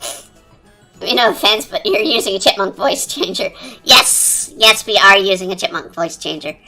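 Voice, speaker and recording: A streamer talking through a high-pitched chipmunk voice changer in rambling, casual chat while drawing. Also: animated, moderate pace. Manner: rambling, chatty, lots of fillers. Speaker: art streamer. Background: quiet cafe-style background music.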